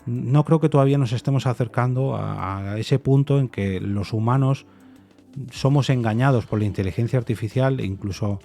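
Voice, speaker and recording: A man with a dark, relaxed voice thinks out loud on his podcast, circling his point with restarts and soft repeated no's. A faint music bed runs quietly under him. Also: medium pitch, moderate pace, creaky. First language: Spanish. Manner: thoughtful, hesitant, many restarts and repeated "no". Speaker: podcast host. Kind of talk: reflective solo opinion monologue.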